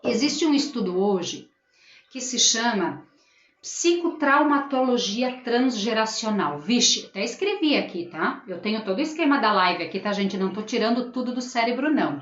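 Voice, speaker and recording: A woman's voice: mid-range voice, expressive, fairly quick. A middle-aged woman, a school teacher, hosting a casual live stream and earnestly talking to her viewers. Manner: earnest, addresses viewers and reads their comments aloud. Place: at home. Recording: roomy, dull lo-fi home live stream.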